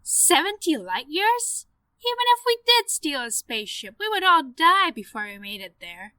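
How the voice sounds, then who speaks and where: A woman's voice: high-pitched, big pitch swings, moderate pace, sharp tone, no room sound, heavily acted. A woman playing a practical, sceptical young woman in an audio drama, emphatic and easily incredulous. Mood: exasperated.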